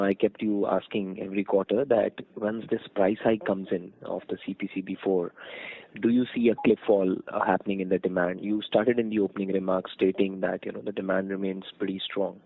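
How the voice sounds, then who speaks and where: A man speaking as a financial analyst on a conference call, politely asking rambling, hesitant questions. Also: on the low side. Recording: tinny phone line.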